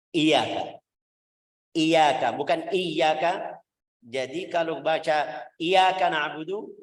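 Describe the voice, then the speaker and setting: Slow, fairly high Arab man teaching. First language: Arabic. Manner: slow, repetitive drilling with chanted demonstrations; hesitant with frequent fillers, searching for words. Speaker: Quran teacher. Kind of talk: Quran recitation lesson.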